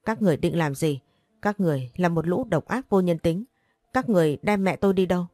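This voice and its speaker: A woman's voice: fairly low pitch, expressive, brisk, warm tone, no echo, clean studio sound. A woman voicing a desperate, defiant young mother in a storybook, speaking indignantly and pleadingly.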